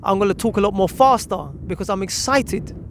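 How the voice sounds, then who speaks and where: A man's voice: high-pitched, fairly quick, slight background noise. A man speaking as a parenting coach, giving a direct instructional talk with repeated key words and rhetorical questions. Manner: emphatic repetition with rhetorical questions. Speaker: parenting coach presenting a video.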